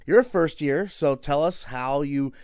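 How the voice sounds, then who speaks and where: A man's voice: a little high, unhurried, a little mellow, no room sound, studio quality. A man hosting a college sports podcast, asking friendly, encouraging questions and reading sports results. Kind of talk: interview and read sports news.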